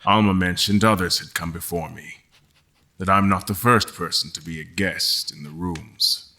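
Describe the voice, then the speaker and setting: An actor playing a frustrated, wry mortal guest in an audio drama, choosing words in a deliberate, formal, dry manner. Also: male voice, deep voice, fairly even intonation, bright, forceful tone, exaggerated voice. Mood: careful, probing. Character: mortal male guest, frustrated, wry, carefully probing captors. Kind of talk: audio drama acting with first-person narration.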